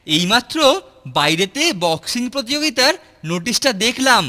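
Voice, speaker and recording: A man's voice: extremely high pitch, big pitch swings, normal speed, noisy background. A man voicing a scheming, boastful schoolboy bully in a children's cartoon, with a cocky, swaggering delivery. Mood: eager. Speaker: cartoon voice actor. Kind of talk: Bengali children's cartoon dialogue.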